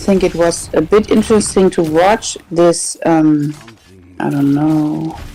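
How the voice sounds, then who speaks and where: Amid noticeable background noise, a woman with a non-native accent and a fairly low pitch speaks at a very slow pace. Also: ordinary pitch variation. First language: not English. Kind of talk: casual chat. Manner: halting.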